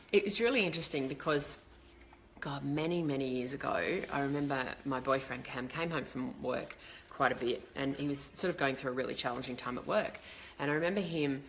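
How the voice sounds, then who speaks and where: Low, bright, slightly crackly woman's voice. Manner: chatty, rambling, greets viewers mid-thought. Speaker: leadership coach and live-stream host. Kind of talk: casual chat to a live online audience.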